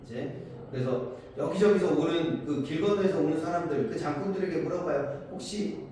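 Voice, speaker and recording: This man's voice is mellow, on the high side, and a little fast as he explains Korean poems in a classroom lecture. He asks his students questions and answers them himself. The audio is distant and echoey, with faint noise.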